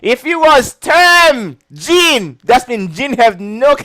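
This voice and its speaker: Slow and very high-voiced, a man teaches an insurance licensing lesson for a casual video, with no echo in the sound. His heavy accent marks him as a non-native English speaker. He's animated, chuckles often, and returns to key points repeatedly.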